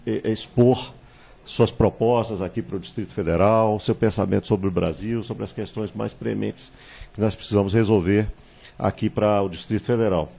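A man, a candidate recounting his life in a studio interview, measured and reminiscing, with hesitations and tag questions, on a handheld mic. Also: lowish voice, steady tone, vocal fry, dark tone. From Salvador, Bahia, Brazil. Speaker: political candidate, guest. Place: small TV studio with virtual set.

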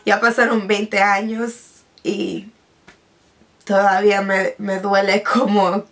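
A woman's voice: medium pitch, level tone, takes it slowly, fairly bright tone. A woman in her twenties, raised speaking Spanish but now mostly speaking English, vlogging casually from her bedroom and often restarting and mixing in English words. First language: Spanish, now mainly speaks English. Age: 20s. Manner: chatty, with frequent restarts and English words slipped in. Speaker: beauty vlogger. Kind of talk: casual personal vlog. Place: bedroom with vanity desk, indoors. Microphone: camera in front, seated at medium distance.

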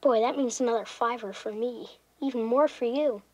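A woman voicing a blunt, self-interested young child in an animated film. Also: a little high, normal speed, close to an everyday voice.

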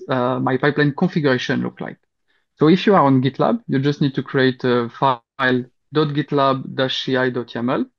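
A man explains a technical demo from his webcam in a steady teaching manner. His voice is mid-pitched, and the call audio sounds a little dull. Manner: steady explanatory, occasional restarts. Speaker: conference speaker. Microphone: video call webcam.

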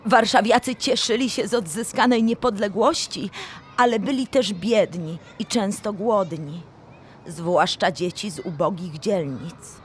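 A woman's voice: mid-range voice, unhurried, natural voice. Woman playing a friendly storytelling cartoon animal, noisy backdrop. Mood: explanatory. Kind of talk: children's audio drama, storytelling.

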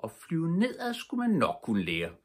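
An older man reading aloud, voicing a cheeky, fearless little girl in a lively, bold and playful way. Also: on the high side, slightly rough, voice pushed up, full character voice. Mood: dreamy, daring. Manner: lively, bold, full of fun.

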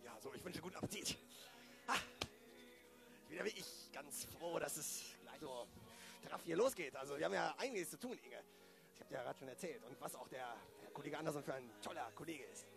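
Man as a creaky, eagerly courteous detective. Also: fairly high pitch, expressive, a little fast, over music. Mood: eagerly hospitable. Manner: rambling, formally polite. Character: chatty, courteous, over-eager police detective and host. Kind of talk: improvised audio drama.

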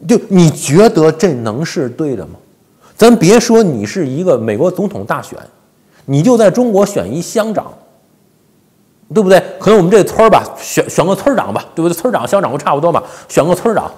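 一位四十多岁、带北方普通话口音的男性，用口语化的方式做时政评论，常用反问和“对不对”之类的追问。. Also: male voice, high voice, very animated, fast talker, a little mellow. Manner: colloquial, rhetorical questions, frequent tag questions. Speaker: commentator, host of a daily show. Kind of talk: informal political commentary. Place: small indoor home office. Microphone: lapel.

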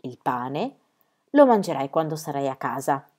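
A woman voicing a calm, loving mother in a reading of a children's story, speaking slowly and softly. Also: heavily acted. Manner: slow, calm, low and soft. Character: calm, loving mother Lovisa, steady and wise.

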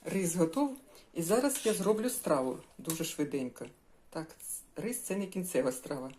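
A woman's voice: lowish voice, expressive, normal speed, noisy background. An older woman chatting in a homely way while she cooks breakfast, addressing her viewers as girls. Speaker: cooking vlogger. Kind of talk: casual cooking vlog.

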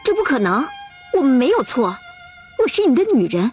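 A woman's voice: high voice, very animated, a little fast, darkish tone, faint music behind. An actress playing a headstrong young Russian woman from a costume drama, insistent and repeating her pleas over and over. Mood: earnest. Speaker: Russian woman in love with a herder. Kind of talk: television costume drama dialogue.

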